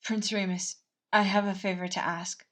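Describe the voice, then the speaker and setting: Lady reading as a polite protective advisor guy in a story, measured, kinda formal, mid pitch. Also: level tone, natural voice. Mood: earnest, polite. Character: earnest, formal, protective male royal advisor.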